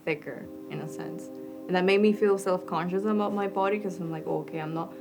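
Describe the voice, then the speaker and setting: A woman's voice: lowish voice, fairly quick, over music. A Latina woman from Latin America with a Spanish accent, speaking candidly in a documentary interview and using "like" often. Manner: candid, filler-heavy, uses "like" often.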